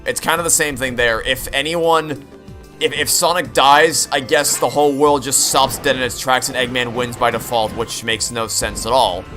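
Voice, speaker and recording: A man's voice: medium pitch, steady tone, normal speed, pushed and bright. A young man giving casual, opinionated, rambling commentary as he plays through a video game. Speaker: video game playthrough streamer. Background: game music.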